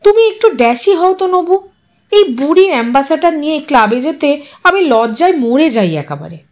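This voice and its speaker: A woman's voice: high-pitched, voice pushed up. A woman voicing a demanding, stylish wife in her thirties who coaxes and scolds her husband. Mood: haughty. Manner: coaxing, haughty, mixes English.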